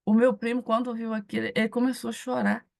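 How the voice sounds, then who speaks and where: A middle-aged woman with a Brazilian Portuguese accent, preaching a testimony and acting out the dialogue in an animated storytelling manner. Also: on the high side, fast talker, gravelly. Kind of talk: testimony sermon.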